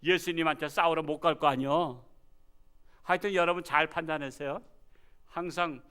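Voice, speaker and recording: A man in his sixties, a pastor giving a Sunday sermon in a folksy, joking way, jumping from loud cries to quiet asides. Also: a little high, normal speed, clear, resonant tone. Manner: animated, swinging from loud exclamations to quiet asides.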